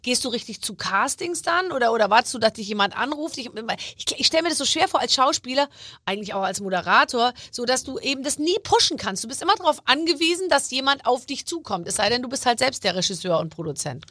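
High-pitched teasing woman podcast host. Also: dry recording, studio quality. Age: 40s. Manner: lively, teasing, quick to laugh. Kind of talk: casual interview chat.

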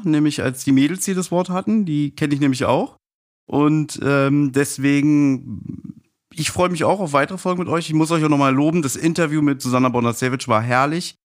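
Conversational man with a medium-pitched voice. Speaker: podcast guest. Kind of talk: casual chat.

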